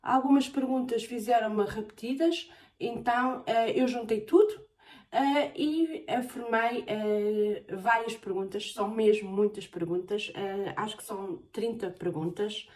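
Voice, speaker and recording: A woman from Portugal with a European Portuguese accent, chatting casually in a question-and-answer vlog, often pausing on filler sounds. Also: a little high, a little mellow. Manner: hesitant, many filler sounds. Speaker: vlogger. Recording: voice a bit far from the mic.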